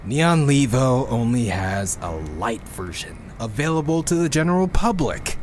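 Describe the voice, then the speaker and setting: A man's voice: mid-range voice, slight background noise. A man playing a geeky, exasperated rocket programmer who rambles and swears through a casual audio log in a sci-fi drama. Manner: rambling, self-interrupting, swearing.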